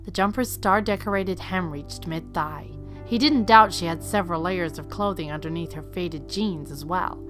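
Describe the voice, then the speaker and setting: A woman with a fairly low voice narrates an audio drama over faint music. Her delivery is scripted storytelling, as the narrator of the piece. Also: normal speed, few pauses, fairly bright tone.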